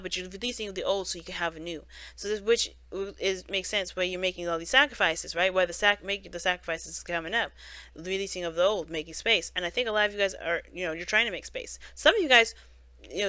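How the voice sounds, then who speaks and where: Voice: mid-range voice, bright, forceful tone, no echo. A tarot reader giving a casual spoken reading, rambling along with frequent "you know" and "right?" and many restarts. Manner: self-correcting restarts.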